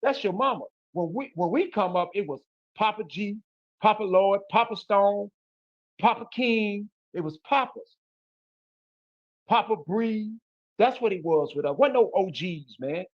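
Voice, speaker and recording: A man's voice: high voice, unhurried, no echo, highs cut off. A man from Chicago with a Chicago accent, a guest in an interview who talks bluntly and emphatically in street slang. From Chicago, USA. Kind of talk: casual interview talk.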